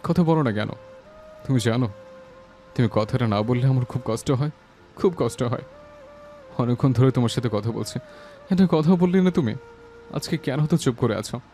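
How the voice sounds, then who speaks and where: A man playing an anguished young man in an audio story, pleading through overwhelming grief in a gravelly voice. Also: medium pitch, expressive, normal speed, long pauses, warm tone, soft background music, natural voice. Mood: tearful pleading. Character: grief-stricken young man pleading with his dead beloved. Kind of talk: dramatized audio story acting.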